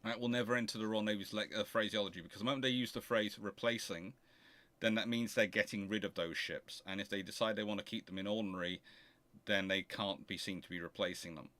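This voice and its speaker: A man's voice: lowish voice, fast, no room sound. A man hosting a casual history question-and-answer stream, explaining things emphatically and often correcting himself mid-sentence. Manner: emphatic, animated argumentative explaining with self-corrections. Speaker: host of a naval history question show. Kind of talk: casual livestream Q&A with rambling explanation.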